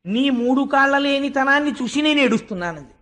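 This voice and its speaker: A man with a notably high voice delivers a devotional discourse. He tells the story in a storytelling way, slips into the lines of the figures he quotes, and slows down to recite verses. He sounds middle-aged. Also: animated, fairly bright tone. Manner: storytelling, acts out dialogue, recites verses slowly. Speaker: religious discourse speaker. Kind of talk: Telugu devotional discourse on scripture.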